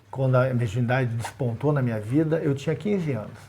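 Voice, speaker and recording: A man's somewhat breathy voice. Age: 60s. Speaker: spiritist medium and program presenter. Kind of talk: devotional reflection monologue. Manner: informal, conversational.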